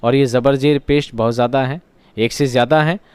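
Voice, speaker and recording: Male online teacher, smooth voice in a dry close recording. Quizzes himself and repeats key words. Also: medium pitch, fairly even intonation, a little fast, a little mellow, no room sound. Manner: asks questions and answers them himself. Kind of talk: exam-prep lesson.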